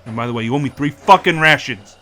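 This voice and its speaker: A man playing a gruff, foul-mouthed black-market implant dealer in a sci-fi audio drama, brash and hard-bargaining. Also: mid-range voice, fast talker, music in the background, lightly acted. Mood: grumbling familiarity.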